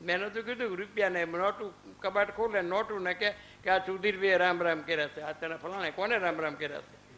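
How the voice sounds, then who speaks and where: A man's voice: high-pitched, steady tone, brisk, sharp tone, slight background noise, poor audio. A man in his fifties giving a religious discourse at an ashram, telling stories with quoted dialogue and rhetorical questions. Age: 50s. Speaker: spiritual discourse speaker. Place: ashram hall.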